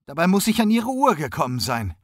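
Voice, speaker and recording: A frightened young suspect in an audiobook, whining and close to tears, his voice pitched well up and pushed loud, as a male narrator puts him on. The sound is close and dry. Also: sing-song, brisk, no echo. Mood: pleading. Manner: tearful, pleading.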